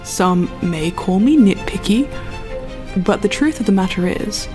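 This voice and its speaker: Female, actor as self-assured perfectionist spaceship designer, lofty audio-drama monologue, medium pitch. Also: lively intonation, a little slow, music in the background, close to an everyday voice. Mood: proud, fussy. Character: proud, dreamy, perfectionist artist designing a spaceship.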